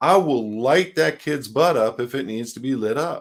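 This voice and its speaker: A loud man with an animated tone and very wide pitch swings at a fairly slow pace, on a very clean recording with a silent background. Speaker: podcast host. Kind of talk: casual chat.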